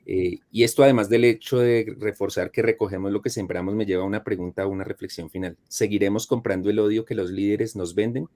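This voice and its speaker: A man speaks in a very deep, mellow voice. He closes a commentary segment with earnest rhetorical questions. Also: fairly even intonation, fast talker, hardly any pauses.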